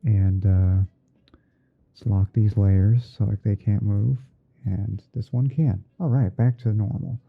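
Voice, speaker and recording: A man playing a gentle, easygoing TV painting instructor in a halting, murmured ASMR livestream roleplay. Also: on the low side, fairly even intonation, gravelly, phone-quality sound, full character voice. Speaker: livestream host. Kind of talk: ASMR roleplay livestream while editing images.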